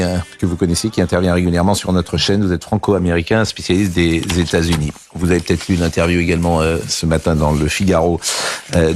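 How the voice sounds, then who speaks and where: Un homme qui anime un débat télévisé, sur un ton appuyé et tranché, qui coupe la parole à ses invités. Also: male voice, sits low, darkish tone. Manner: emphatic, opinionated, interrupts. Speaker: host. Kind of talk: TV debate hosting.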